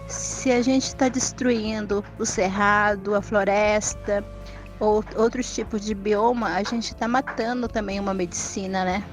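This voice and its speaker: A Brazilian woman explains in a conversational interview style. Her voice is medium in pitch, over faint music. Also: steady tone, a little slow, poor audio.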